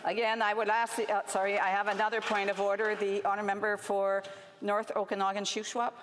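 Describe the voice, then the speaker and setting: A woman with a Canadian accent presiding as speaker of parliament, giving formal rulings in a halting, hesitant way. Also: mid-range voice, flat delivery, a bit bright, slight background noise. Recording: reverberant chamber hall.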